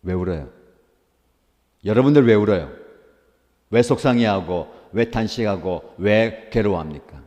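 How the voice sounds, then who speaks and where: Male pastor, low warm voice, earnest preacherly delivery, poses questions and answers them, long church-hall reverb. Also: lively intonation, a little slow, pauses often, muffled recording. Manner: asks rhetorical questions and answers them himself. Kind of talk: daily devotional sermon.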